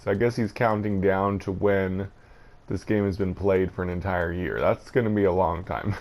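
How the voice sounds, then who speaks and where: A man with a fairly low voice gives casual gameplay commentary. He rambles along as host, thinking out loud in an everyday way. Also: steady tone, normal speed.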